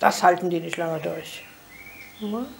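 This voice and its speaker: Clear background noise fills the clip. Through it, a woman talks with a pitch in the middle range. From Dresden. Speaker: Holocaust survivor, contemporary witness. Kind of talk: interview answer.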